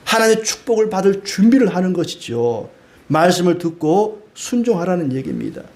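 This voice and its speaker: A man's voice: high voice, wildly swooping pitch, brisk, a little mellow. A middle-aged male pastor from Korea, preaching a sermon with homey stories and acted-out quotes.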